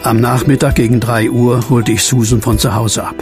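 An actor plays a brooding man telling his own horror tale in a radio play. His middle-pitched voice has a gravelly creak. He is earnest and measured, with music running underneath. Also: level tone, natural voice. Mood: wistful, reflective. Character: brooding widowed man haunted by a werewolf. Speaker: narrator and lead character. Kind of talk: German audio drama acting, first-person narration.

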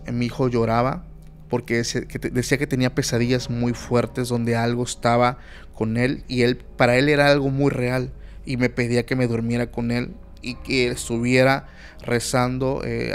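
Mexican man, podcast guest, mid-pitched, emphatic storyteller with lots of filler words, faint hiss behind. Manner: emphatic, animated retelling with many fillers. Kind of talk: casual storytelling.

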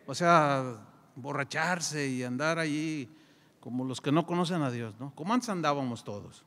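Mexican pastor preaching, high-pitched guy, lots of reverb from the church hall. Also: normal speed. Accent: Mexican Spanish. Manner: animated storyteller, acts out dialogue. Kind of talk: sermon with storytelling. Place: church sanctuary.

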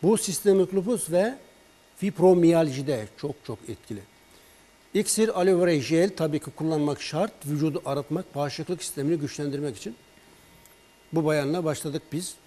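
On a broadcast, an herbal remedy expert shares health stories with animated flair, acting out both his own lines and his patient's in their phone calls. His voice is slightly high for a man but dark and mellow, and he keeps a moderate pace.

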